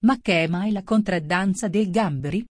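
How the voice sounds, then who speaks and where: A woman's voice: mid-range voice, normal speed, no room sound, clean studio sound, close to an everyday voice. A woman voicing a polite, timid young girl in a storybook reading.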